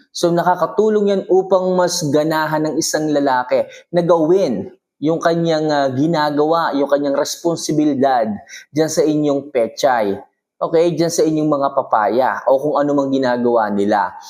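A man speaks at a moderate pace with a fairly high pitch. His pitch varies in an ordinary way, and his loudness stays very even. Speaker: vlogger giving love advice. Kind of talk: casual monologue vlog. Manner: halting, frequent uh fillers.

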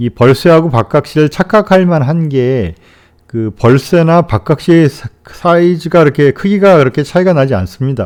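The sound is dry and close, with no echo. It's a normal speaking voice: a man with fairly high pitch at a moderate pace. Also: lively intonation. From South Korea. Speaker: nature video creator. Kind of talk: narrated nature video commentary. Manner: calm, conversational.

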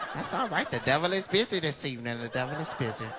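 A man speaks with lively intonation. Noticeable background noise runs beneath him. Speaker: stand-up comedian. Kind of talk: stand-up. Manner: animated.

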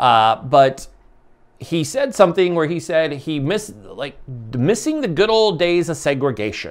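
Speaking fairly slowly in an American accent, a man has a fairly high pitch, an animated tone and very wide pitch swings. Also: quiet background. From Florida. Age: 40s. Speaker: talk show host. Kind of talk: interview. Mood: serious, reflective. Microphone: video call.

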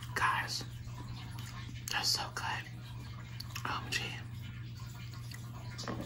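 Whispering, a woman speaks at a very slow pace. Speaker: ASMR eating vlogger. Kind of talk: casual talk to camera. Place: home room. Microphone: studio mic.

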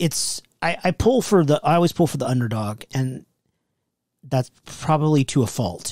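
In a normal speaking voice with an American accent, a man talks at a moderate pace with fairly high pitch and lively intonation, the sound dry and close with no echo. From US West (California). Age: 30s. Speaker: podcast co-host. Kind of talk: casual chat.

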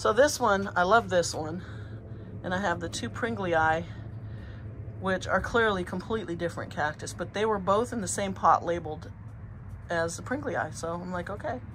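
Using a relaxed tone, a woman with a fairly low pitch talks at a moderate pace, with very wide pitch swings and long, frequent pauses. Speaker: plant vlogger. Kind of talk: casual garden walkthrough. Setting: outdoors in garden, filming. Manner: chatty, relaxed.

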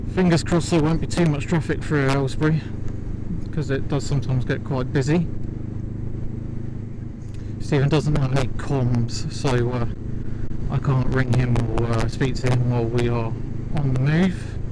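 A man speaks at a moderate pace with long, frequent pauses, fairly even intonation and very even loudness, in a dry sound with no echo over noticeable background noise. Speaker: motorbike vlogger. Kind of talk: casual vlog chat. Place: motorbike. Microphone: helmet.

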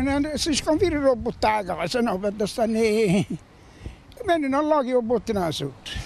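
Spoken in a Campanian accent at a moderate pace, the voice makes very wide pitch swings and leaves long, frequent pauses. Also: man. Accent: Campanian dialect (Irpinian). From Avellino, Campania, southern Italy. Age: 80s+. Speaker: retired street vendor. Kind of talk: interview answer. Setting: outdoors.

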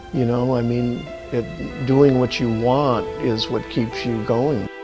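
Over clear music in the background, a man speaks very slowly at a medium pitch with fairly even intonation. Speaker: TV repairman and found-object artist. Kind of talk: interview answer. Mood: relaxed, amused. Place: workshop.

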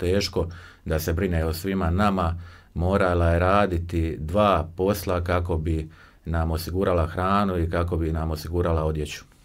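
The speaker talks at a moderate pace in a monotone, flat intonation. Room echo is audible. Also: man. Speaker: radio host and interpreter. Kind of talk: consecutive interpreting of testimony. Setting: studio.

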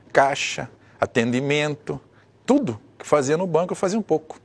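With very wide pitch swings, a man speaks. His pace is fairly slow. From Indaiatuba, São Paulo state, Brazil; São Paulo state, Brazil. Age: 60s. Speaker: lawyer and precast slab business owner; lawyer. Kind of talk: TV interview. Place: studio. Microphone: lapel.

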